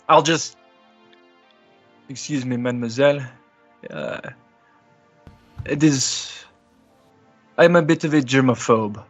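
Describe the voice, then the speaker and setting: A man's voice: medium pitch, slow pace, gravelly, pauses often. Slightly dull audio of a man improvising as a tabletop game player. He is elaborately courteous and formal, with faint music behind him. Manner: ornately polite, formal. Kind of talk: improvised in-character dialogue.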